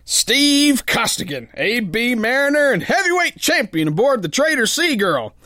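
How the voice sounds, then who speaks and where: An actor playing a boastful, dim but good-hearted brawling sailor in a pulp radio drama, with folksy slang. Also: male voice, extremely high pitch, sing-song, normal speed, sharp tone, no room sound, studio quality, exaggerated voice. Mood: cocky bragging. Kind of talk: first-person pulp radio drama narration and dialogue.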